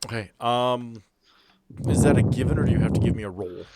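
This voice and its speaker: A man narrating a tabletop game as game master, setting scenes in a conversational, halting way. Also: medium pitch, heavy background noise.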